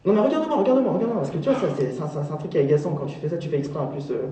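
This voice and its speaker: A man in his forties in a heated casual argument as a complaining neighbour, insistent and repeating himself in halting phrases. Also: on the high side, mellow. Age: 40s. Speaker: neighbour complaining about noise. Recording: echoey room, distant mic, faint noise.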